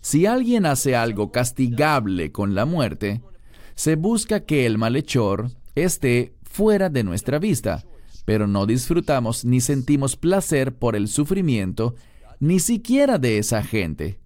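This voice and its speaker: A man's voice: mid-range voice, big pitch swings, measured pace, a little mellow, dry recording. A man preaching a sermon verse by verse, reading scripture and then explaining it. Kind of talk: expository sermon.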